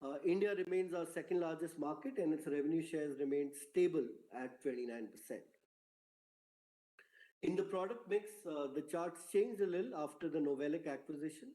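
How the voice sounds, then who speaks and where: Speaking in a large room that echoes, this male company executive delivers a rehearsed corporate talk. His voice sits fairly high and sounds mellow, with a gentle, easygoing tone. The pacing is deliberate and formal, reminiscent of an investor conference call.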